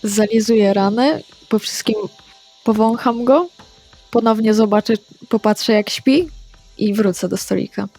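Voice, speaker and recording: A woman's voice: medium pitch, a little slow, gravelly, darkish tone, faint music behind. A woman playing a tabletop role-playing game, casually describing what her character does.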